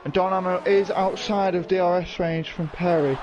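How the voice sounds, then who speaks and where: A man's voice: sits high, steady tone, moderate pace, muffled recording. A man calling a live online race as lead commentator, exclaiming at the action. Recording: noisy stream audio.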